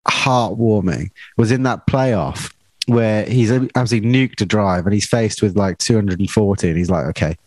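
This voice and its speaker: Low-voiced man recounting golf, commentator-like. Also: moderate pace, dry recording. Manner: informal shot-by-shot retelling with frequent 'like'. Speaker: golf podcast co-host. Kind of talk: casual sports chat, recounting play like a golf commentator.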